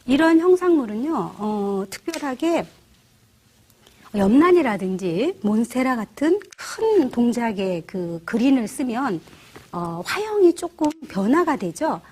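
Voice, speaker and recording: A middle-aged woman teaching church flower arranging, explaining each step gently and often asking the viewer rhetorical questions. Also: a little high, big pitch swings, unhurried, slightly rough. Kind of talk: instructional demonstration.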